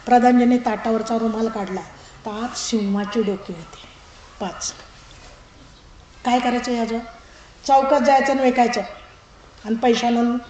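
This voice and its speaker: A woman giving a religious discourse to a live audience, telling a parable in a lively way and acting out its characters. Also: on the high side. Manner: lively storytelling that acts out characters and street calls. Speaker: pravachan speaker. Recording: echoey hall with audience noise.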